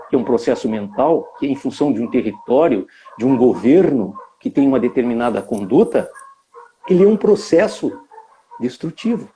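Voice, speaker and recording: Animated mellow-voiced man lecturing. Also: mid-range voice. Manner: musing, many tag questions and restarts, uneven pace. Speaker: speaker giving a live talk. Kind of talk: reflective spoken lecture.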